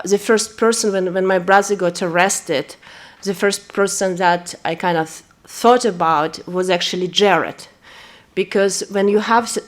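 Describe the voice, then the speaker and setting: A woman from Kazakhstan, a lawyer giving an earnest, hesitant introduction at a press event, full of fillers. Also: fairly low pitch. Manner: earnest, personal testimony.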